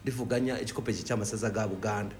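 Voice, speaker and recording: A man's voice: fairly low pitch, fairly even intonation, rapid-fire. A man with a Ugandan accent giving football opinions in a discussion, mixing English words and phrases into his speech. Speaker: football pundit. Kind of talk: sports discussion.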